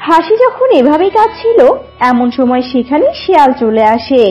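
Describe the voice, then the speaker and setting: High, animated woman storyteller. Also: moderate pace, highs cut off, soft background music. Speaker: narrator. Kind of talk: scripted children's story narration.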